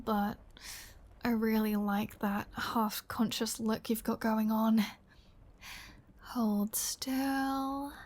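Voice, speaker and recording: A woman's voice: a little high, a little mellow. A woman playing a flirty, teasing vampire with a sardonic, caring streak in an intimate ASMR roleplay, often dropping toward a whisper. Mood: hungry, playful. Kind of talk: ASMR roleplay audio drama.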